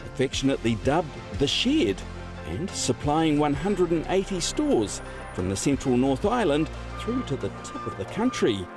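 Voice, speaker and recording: A man's voice: on the high side, big pitch swings, normal speed. A man with a New Zealand accent, a TV reporter reading scripted feature narration. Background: music.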